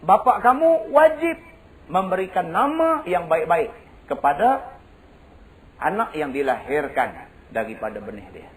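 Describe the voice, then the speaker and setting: Stern, wise caliph handing down judgement, voiced by a male preacher. Solemn and instructive, pitched high with lively swings. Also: exaggerated voice, poor audio. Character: stern, wise old caliph judging a dispute.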